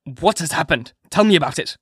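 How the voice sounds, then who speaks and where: A man's voice: a little high, animated, fairly quick, slightly rough, dry recording, clean studio sound, pitched above the performer's own voice, heavily acted. A man voicing a desperate young husband who cries out in alarm, in a storybook reading. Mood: frantic alarm. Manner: loud, desperate, crying out. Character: young husband, dazed then frantic.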